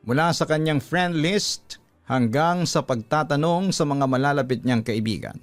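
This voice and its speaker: A man's voice: fairly high pitch, moderate pace. A man with a Filipino accent narrating a scripted story in a dramatic radio storytelling style. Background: background music.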